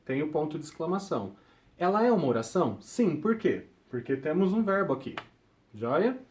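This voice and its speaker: A young man teaching a recorded grammar lesson, ending nearly every point with a quick check-in question to his students. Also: on the high side, very animated, darkish tone. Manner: ends points with check-in tags like "tudo bem?".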